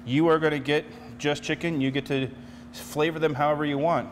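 A man's voice: on the high side, a little fast, long reverb tail, slight background noise. A man in his forties, a chef walking through a cooking demonstration step by step in a studio kitchen. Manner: explanatory, steady step-by-step instructions.

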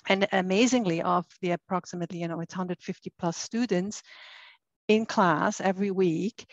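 A woman with a Swiss accent speaks on an online panel through a laptop webcam, her voice a little low and the audio dull and lo-fi. She talks in an earnest way, restarting phrases as she goes. The sound is dry, with no room around it. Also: dry recording. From Switzerland. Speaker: university lecturer. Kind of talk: panel presentation. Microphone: laptop webcam on a video call. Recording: dull lo-fi video call audio.

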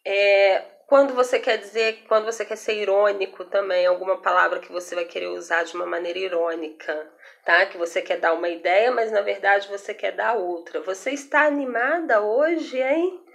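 A woman's voice: mid-range voice, steady tone, a little fast, vocal fry. A young Brazilian woman teacher explaining a grammar lesson in a recorded video, patiently and with frequent check-ins to her students. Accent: Brazilian Portuguese. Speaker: Portuguese teacher.

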